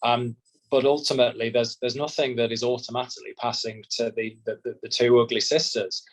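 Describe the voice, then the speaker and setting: A man answering as a solicitor, measured and explanatory, often repeating words as he restarts. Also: medium pitch, little pitch movement, rough recording. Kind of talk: expert interview answers.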